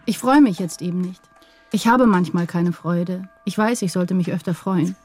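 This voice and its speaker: An actress as an introspective woman writer in a literary radio play. She is anxious and in love, and her words come measured and intense. The voice is soft and dark-edged, sitting a little low. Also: soft background music, lightly acted. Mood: brooding. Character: anxious, brooding woman writer in love, confessing inner thoughts. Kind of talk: literary radio drama, first-person inner monologue and dialogue.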